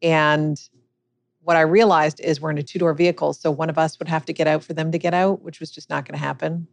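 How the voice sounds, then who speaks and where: A middle-aged woman speaks in a low register with a gravelly, fry-touched voice. She is a guest on an interview podcast, recounting a personal experience in an earnest, reflective way. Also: flat delivery, brisk, dry recording. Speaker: guest, business coach and author.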